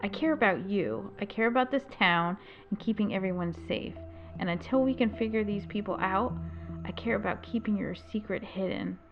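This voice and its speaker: A woman's voice: mid-range voice, normal speed, over music, close to an everyday voice. A woman playing a protective, anxious townswoman in an audio drama, urgent and scolding, with exasperation in her delivery. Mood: worried, scolding. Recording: dull, muffled lo-fi sound.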